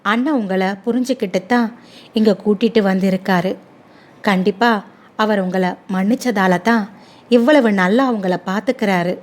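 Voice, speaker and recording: A woman's voice: medium pitch, close to an everyday voice. A woman voicing a kind, talkative young neighbor woman who speaks earnestly and pleads. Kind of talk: storybook dialogue.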